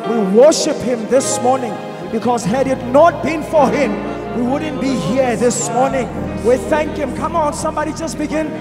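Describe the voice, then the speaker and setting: Over clear background music, a man talks at a moderate pace with ordinary pitch variation. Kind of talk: worship exhortation and prayer. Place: church. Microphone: handheld.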